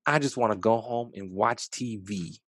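A man's voice: fairly low pitch, moderate pace, fairly bright tone, no room sound, clean studio sound. A man voicing an anxious, curious little grandson in a storybook, asking plaintive questions. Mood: worried, curious.

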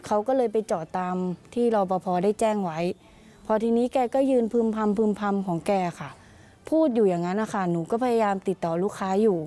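A woman's voice: medium pitch, brisk, warm tone. A young woman, a guest on a TV talk show, plainly retelling what happened to her in detail and politely. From Thailand. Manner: plain, detailed retelling, calls herself 'หนู', many polite 'ค่ะ'. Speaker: interview guest. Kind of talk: recounting an incident in a TV interview.

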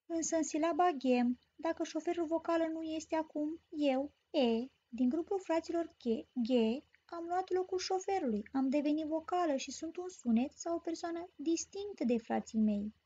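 A woman teaching a grammar lesson as a story, explaining clearly and patiently. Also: high voice, few pauses, warm tone. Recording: dull lo-fi recording.

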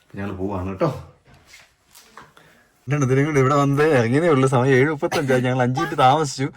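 Standing outdoors by a car after church, a family vlogger chats casually and ramblingly to his viewers on a handheld phone. His voice is medium-pitched and fast, with no echo.

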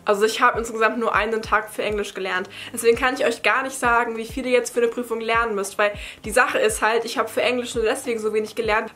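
A young woman from Berlin speaks in a fairly high, bright voice. She explains things in a chatty, informal way, as a study-advice vlogger would when answering questions to camera at home. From Berlin, Germany. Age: young adult. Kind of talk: casual Q&A chat to camera. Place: bright attic room at home.

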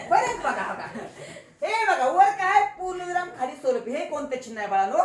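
Speaking unhurriedly in a high, very animated voice, a female schoolteacher with a Marathi accent teases her pupils and quizzes them call-and-response style in a grammar lesson. The clip is very noisy, set in an echoey classroom with children's voices.

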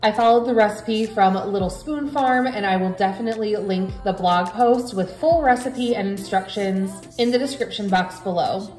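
A woman in her thirties narrating a casual home cooking vlog as she explains her meal prep. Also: mid-range voice. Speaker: lifestyle vlogger and home cook. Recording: music behind the voice. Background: background music.

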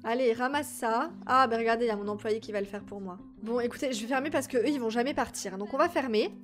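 A young woman chatting excitedly to her viewers while playing a life-sim game, reacting out loud to what happens. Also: fairly high pitch, quick pace, faint music behind. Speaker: gaming YouTuber. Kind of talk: casual let's-play commentary.

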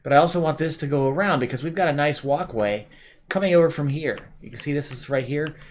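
A man hosting a gameplay video, calmly explaining his build step by step with plenty of "uh"s, while his voice is going a bit hoarse. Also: a little high, fast talker. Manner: relaxed, explaining step by step with many "uh"s. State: losing his voice. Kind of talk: casual building commentary.

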